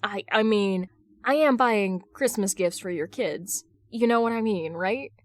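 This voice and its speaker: A woman's voice: mid-range voice, unhurried, no room sound, clean studio sound, natural voice. A woman voicing a flustered, defensive man who stammers in fan fiction audiobook dialogue. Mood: flustered, awkward. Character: flustered, exasperated adult man, superhero in love.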